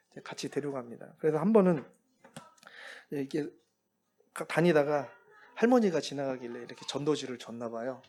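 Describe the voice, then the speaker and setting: A man preaching as a missionary, telling personal stories in a relaxed, conversational way with occasional chuckles. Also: fairly high pitch. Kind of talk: sermon storytelling.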